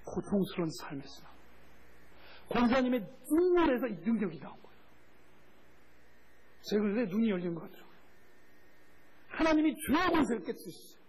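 High-voiced Korean man preaching a sermon. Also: fairly quick, long pauses, a little hiss or hum, rough recording. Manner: animated, acts out voices in quotes, laughs often. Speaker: missionary preacher. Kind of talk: sermon with storytelling.

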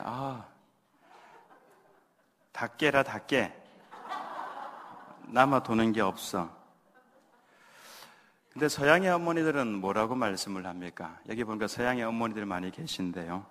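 Korean pastor preaching in a reverberant church. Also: male voice, on the low side, normal speed, pauses often, a little hiss or hum. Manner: leads congregation in call-and-response reading; acts out gentle parental words softly. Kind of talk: sermon. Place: church sanctuary.

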